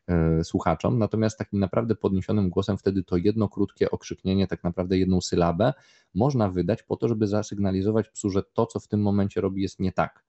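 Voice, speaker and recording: A man's voice: low-pitched, warm tone, lo-fi sound. A man, a dog trainer, explaining at length in a podcast conversation, with many fillers and restarts.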